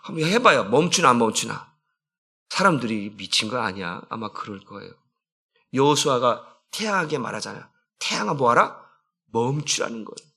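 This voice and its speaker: A man's voice: medium pitch, sing-song, moderate pace, vocal fry, bright, forceful tone, husky. A man preaching a conversational sermon as a senior pastor, asking the congregation questions and acting out quotes.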